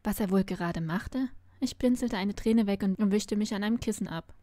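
Woman reader, expressive first-person narration, mellow dry voice. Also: mid-range voice, a little fast, no echo. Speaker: story reader. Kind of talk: reading a novel aloud.

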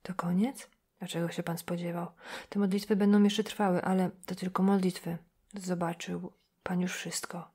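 Stary, spokojny ksiądz z audiobooka, mówiący przyciszonym, na wpół szeptanym głosem, w wykonaniu lektorki. Brzmi nisko i cicho, jakby nie chciał, by ktoś go usłyszał. Ton jest łagodny, ale nie znosi sprzeciwu. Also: female voice, fairly even intonation, moderate pace, breathy edge. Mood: hushed. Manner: hushed, half-whispered, low. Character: old male priest, calm, insistent.

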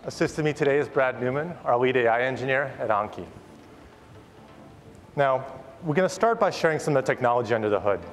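A man's voice: mid-range voice, fairly quick, faint music behind. A man in his thirties, a company founder, giving an enthusiastic, rehearsed keynote product presentation on a large conference stage. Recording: long hall reverb, audience noise.

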